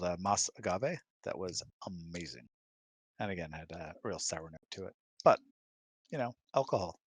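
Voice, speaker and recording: A man's voice: low voice, no echo. A man chatting casually as a co-host, with dry, mock-serious humor. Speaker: co-host, guest husband. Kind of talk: casual chat.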